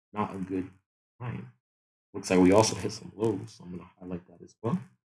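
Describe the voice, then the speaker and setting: A man with a very deep, low pitch and a dark, mellow tone talks at a fairly quick pace with lively intonation, big swings in loudness and vocal fry. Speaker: day trader. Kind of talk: live trading commentary. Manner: casual, conversational.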